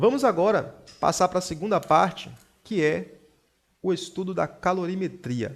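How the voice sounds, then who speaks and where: Lively intonation in a Bahian accent, at a moderate pace with long, frequent pauses. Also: man, high pitch for a man. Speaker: physics teacher. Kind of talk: live online lecture. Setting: live stream.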